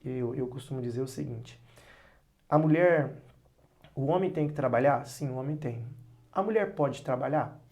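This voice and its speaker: A man's voice: medium pitch, moderate pace, long pauses. A man, a pastor and psychologist, giving earnest advice as a guest on a podcast and acting out parents and children in his stories. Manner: animated storyteller who acts out parents and children; earnest, advising. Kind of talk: podcast interview talk.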